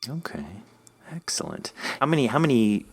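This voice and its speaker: A man's voice: mid-range voice, animated, moderate pace, husky. A man chatting casually as a podcast host interviewing a guest, encouraging and jokey in manner.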